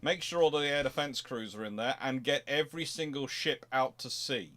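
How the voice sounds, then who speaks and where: Hosting an informal history Q&A stream, a man answers viewer questions in a mid-pitched, slightly bright voice. His delivery is conversational and halting, pressing hard on key words as he explains.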